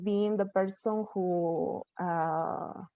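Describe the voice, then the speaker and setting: A woman with a Spanish accent speaks at a medium pitch in a dark, mellow tone with ordinary pitch variation. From Peru, Chimbote. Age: 20s. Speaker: church youth leader. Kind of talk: interview. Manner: halting.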